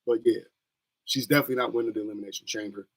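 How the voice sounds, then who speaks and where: Talking very fast in a steady, medium-pitched voice, a young man with a scratchy sound runs a wrestling watch-along stream. His chat is casual, slangy and rambling.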